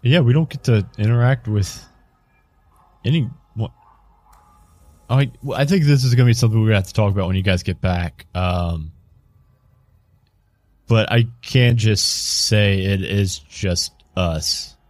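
A man playing a rambling mission handler who dodges questions, starting sentences over and over. His voice sits fairly low and sounds dry and close, with no room around it. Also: a little slow, pauses often, darkish tone, dry recording, close to an everyday voice. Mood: evasive. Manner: rambling and hesitant, many restarts.

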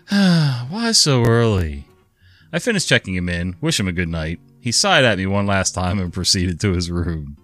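A middle-aged man with a low, slightly bright voice hosts a channel, narrating online stories and commenting in a laid-back, rambling, blunt way. There is no room sound, and faint guitar music plays in the background.

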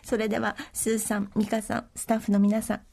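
A woman co-hosting a casual podcast, chatting and reading listener mail aloud with frequent soft agreement. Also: mid-range voice, completely flat delivery, fairly quick, vocal fry. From Akita, Japan. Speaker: podcast co-host.

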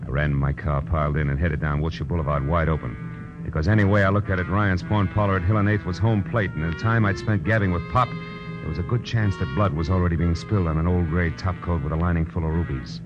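Hard-boiled detective lead male actor: American, low register, tough, clipped, wisecracking; vintage radio sound, dulled top end. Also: fairly even intonation, fast talker, close to an everyday voice. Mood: wry narration. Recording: muffled old radio recording, background music.

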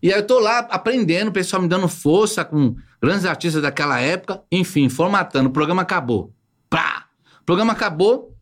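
A man in his fifties, a podcast guest telling stories in an animated, slangy way and acting out the quotes. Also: high-pitched, a little fast. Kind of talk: storytelling in casual podcast chat.

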